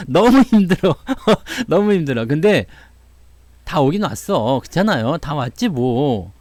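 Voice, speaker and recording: Lively chatty Korean man talking stocks. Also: fairly high pitch, takes it slowly, no room sound. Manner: chatty storytelling, acts out quoted voices, laughs often. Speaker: stock market commentator. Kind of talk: casual market talk to viewers.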